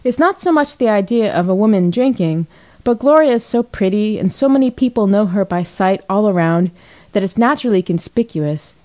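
A woman reading an audiobook, voicing a brash, meddling young woman who gossips in a raised, bright tone. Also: medium pitch, lively intonation, a little fast, pitched above the performer's own voice, lightly acted. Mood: prying.

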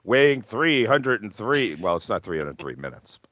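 Deep-voiced man, jokey podcast host. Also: very animated, moderate pace, fairly bright tone, highs cut off. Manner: jokey, hyperbolic, sweary. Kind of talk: casual wrestling chat podcast.

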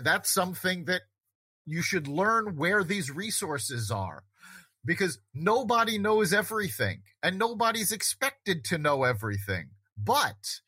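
A man's voice: sits high, sharp tone, breathy edge, dry recording. A man hosting a conversation, talking earnestly and reflectively about self-improvement, with frequent restarts. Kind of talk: casual conversation.

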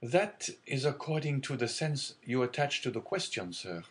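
A man reading aloud and voicing an earnest, respectful young sailor who speaks gravely and eagerly. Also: mid-range voice, sing-song, normal speed, natural voice. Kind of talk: audiobook character reading.

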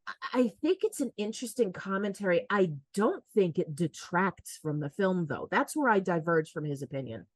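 An American woman in casual podcast chat, with a voice that sits a little low. She talks in an animated way and slips into quick acted-out lines now and then. Her sound is dry and close, with no room echo. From United States. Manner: animated, talkative, acts out quotes. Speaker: podcast co-host. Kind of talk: casual film discussion.

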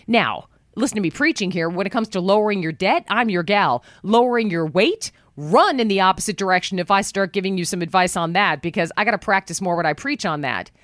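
A woman hosting a talk radio show from a studio, chatting in a folksy, upbeat way, her voice worn low after travel. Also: animated, brisk, hardly any pauses, fairly bright tone, no room sound. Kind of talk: talk radio monologue with live ad reads. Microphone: studio microphone.

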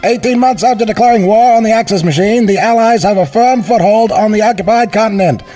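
A man voicing an energetic old-time male newsreel announcer in a comedic script read-through, declaiming over faint music. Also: high voice, brisk, pitched above the performer's own voice. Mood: rousing.

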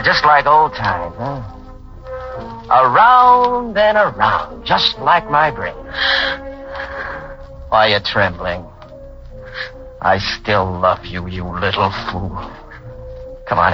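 An actor playing a hard-drinking, mocking private detective in a 1940s radio drama, recorded on a dull old broadcast. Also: male voice, on the high side, huge pitch swings, drawn-out words, long pauses, sharp tone, soft background music, heavily acted. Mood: menacing. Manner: mocking, swings from drawling to tense. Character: hard-drinking sardonic male snoop, menacing.

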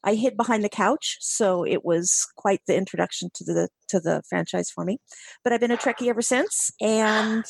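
A woman's voice: mid-range voice, moderate pace, gravelly, husky, dry recording. A woman in her fifties, a podcast guest, talking about herself in a chatty, friendly way. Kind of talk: casual podcast chat.

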